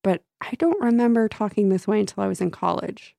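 A woman's voice: medium pitch, very animated, brisk, vocal fry, dark tone, no echo, studio quality. A woman with a slight Midwestern accent co-hosting a podcast in casual chat, laughing often and playing with word sounds, a faint whistle from her braces. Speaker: podcast co-host. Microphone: studio microphone.

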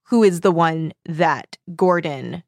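A woman's voice: low voice, slow, vocal fry, darkish tone, no room sound, studio quality. A woman casually discussing books as a co-host, informal and slangy, often acting out reactions with "like". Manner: informal, slangy, peppered with 'like' and quoted reactions. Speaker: book discussion show co-host.

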